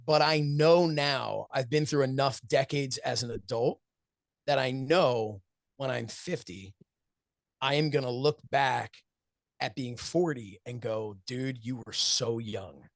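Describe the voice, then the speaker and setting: A man in his forties with a gravelly, textured voice answers interview questions earnestly and reflectively. He tells stories, acts out what friends once said to him, and laughs often, recorded close and dry with no room sound. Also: medium pitch, slow pace, no echo. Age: 40s. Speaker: wrestling commentator and show host, interview guest.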